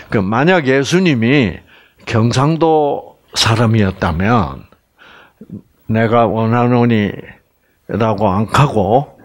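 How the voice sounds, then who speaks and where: Male lecturer, emphatic storyteller, keeps quizzing the crowd, unhurried delivery. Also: medium pitch. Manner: quizzes the audience with repeated prompting questions. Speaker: health lecturer teaching the Bible. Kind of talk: live Bible lecture to an audience.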